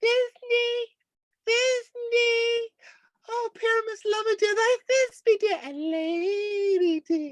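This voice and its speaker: A squeaky, put-on character voice at an extremely high pitch and a very slow pace. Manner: theatrical, comic.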